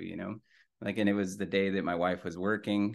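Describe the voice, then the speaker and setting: Talking at a fairly quick pace with an American accent, a man uses a very deep, low pitch and monotone, flat intonation. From South Texas. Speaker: Air Force veteran and ceremonial facilitator. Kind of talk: casual interview.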